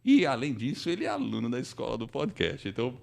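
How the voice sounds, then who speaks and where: A Brazilian man hosts a relaxed conversational interview. His mid-pitched voice moves widely up and down, and he talks in an animated way, as if acting out what he tells. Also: fast talker, gravelly. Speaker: podcast host interviewing a guest.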